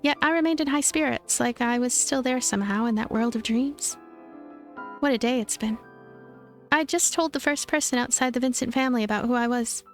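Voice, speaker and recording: Woman as young witch narrator of a visual novel: earnest, hesitant, fairly high voice over music. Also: a little fast, lightly acted. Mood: hopeful.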